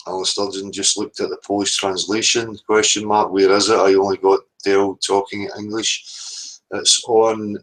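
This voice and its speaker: A man's voice: on the low side, level tone, normal speed, hardly any pauses, fairly bright tone, rough recording. A man with a Scottish accent chatting casually as a livestream host and reading out the live chat.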